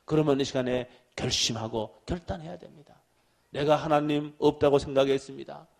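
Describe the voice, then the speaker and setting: A man preaching an evangelistic sermon at a church service as the pastor, earnest, swinging between emphatic and hushed, with repeats and drawn-out phrases. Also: a little high, fairly even intonation, creaky.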